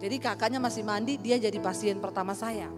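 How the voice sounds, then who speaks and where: A woman's voice: mid-range voice, fast. A woman pastor preaching a sermon, telling stories with humor and acting out the dialogue. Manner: animated storyteller acting out dialogue, joking. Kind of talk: sermon with anecdotes. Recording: reverberant hall with music.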